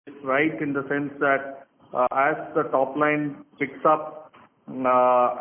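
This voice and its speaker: A man with an Indian accent explaining things as a finance chief on an earnings call, measured and formal. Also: medium pitch. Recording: roomy speakerphone sound, tinny, noisy line.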